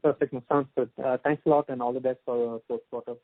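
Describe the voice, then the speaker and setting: A man asking halting, long-winded questions as an analyst on an earnings call. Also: medium pitch, steady tone, no room sound. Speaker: analyst caller. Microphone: telephone. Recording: tinny, dry phone line.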